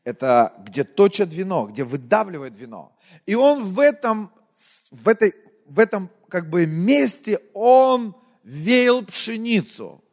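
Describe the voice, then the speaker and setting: A man from Moldova preaching a sermon in a conversational way, asking his listeners questions and often dropping to a quiet voice. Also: sits high, sing-song, takes it slowly, lo-fi sound. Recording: long hall reverb.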